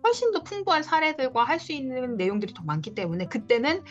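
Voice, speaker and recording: A woman's voice: high voice, lively intonation, fast. A woman in her thirties giving encouraging advice as a coach in a one-on-one online session. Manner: encouraging, advising. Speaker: coach for independent lecturers. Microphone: video call. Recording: dull lo-fi video call audio. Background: faint guitar music.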